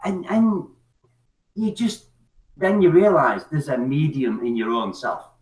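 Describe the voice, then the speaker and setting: A drunk man rambles on, swearing and laughing, with his pitch swinging widely. He sounds distant from the mic in an echoey room. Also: very animated, measured pace, a little mellow. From Scotland. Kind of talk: casual chat on an open call-in platform.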